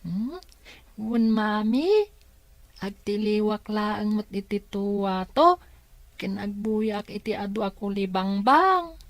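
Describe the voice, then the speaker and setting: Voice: mid-range voice, lively intonation, slow, dry recording. A woman playing a curious, chatty and polite young boy in an Ilocano radio drama.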